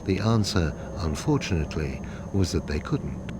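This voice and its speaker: Game cutscene role: secretive military briefer, low-pitched, grave, deliberate delivery, noticeable background hum. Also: male voice, lively intonation. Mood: grave, measured. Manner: measured, deliberate, dramatic pauses. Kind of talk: dramatic game cutscene acting, expository briefing.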